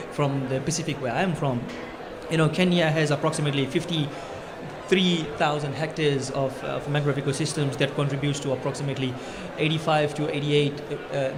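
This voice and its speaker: Monotone, flat delivery at a very fast pace, with audible room echo and noticeable background noise. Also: man. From Fiji. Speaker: conservation organisation representative, panelist. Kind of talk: panel discussion.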